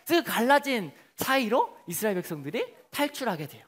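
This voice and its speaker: A preacher giving a children's sermon, telling a story and acting out the crowd's voices with lots of questions to the kids. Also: male voice, very high-pitched, fairly quick, breathy edge. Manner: lively, sing-song, calls out to children.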